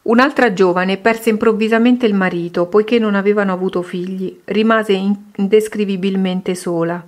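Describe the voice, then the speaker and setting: A woman reading a Christian devotional book aloud in a steady, measured way. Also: medium pitch. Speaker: reader.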